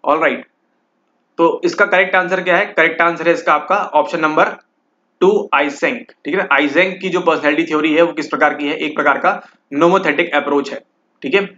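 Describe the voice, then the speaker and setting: A man's voice: a little high, fairly quick, pushed and bright. A man teaching exam questions, mixing English into Hindi and constantly checking in with the listener as he explains. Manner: repeats "ठीक है" constantly, mixes English and Hindi. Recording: slightly dull lo-fi audio.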